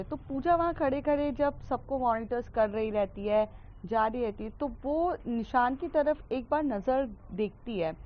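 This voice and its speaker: A woman narrating a story casually, chatty and loose, with frequent filler pauses and English words mixed in. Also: a little high, dull audio.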